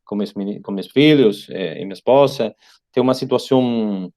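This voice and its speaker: A man with an Argentine Spanish accent talks in a soft-edged, mellow voice, mixing Portuguese and Spanish. He feels his way through sentences, repeating small words and often tagging a short question on the end. It sounds like an informal online lecture from a native Spanish speaker. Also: lowish voice. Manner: halting, repeats words searching for phrasing; often ends phrases with a tag question. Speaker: professor, guest lecturer.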